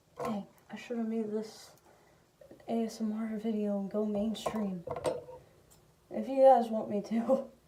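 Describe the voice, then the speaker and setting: A woman's fairly high, flat monotone at a fairly slow pace, broken by long, frequent pauses over noticeable background noise. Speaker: YouTuber vlogger. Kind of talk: casual tutorial vlog. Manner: soft-spoken.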